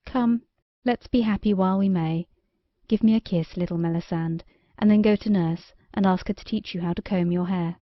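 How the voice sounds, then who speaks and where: A woman voicing a kindly, sensible fairy-tale king and fond father in a measured, gently authoritative way. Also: medium pitch, no room sound, muffled recording, natural voice. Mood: calm, resigned. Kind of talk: storybook character dialogue.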